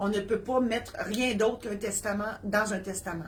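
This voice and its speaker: A woman talks at a moderate pace in a fairly high voice with fairly even intonation. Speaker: notary. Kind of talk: weekly Q&A column, answering viewer questions. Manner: hesitant, many filler sounds.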